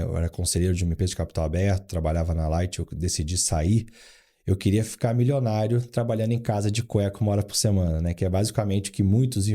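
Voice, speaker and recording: A man's voice: sits low, mellow. A man in his forties from Rio de Janeiro, a guest on an interview, telling business stories full of anecdotes and quoted dialogue. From Rio de Janeiro, Brazil. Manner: storytelling with anecdotes and acted-out quotes. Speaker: guest, board adviser and founder. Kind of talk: casual interview.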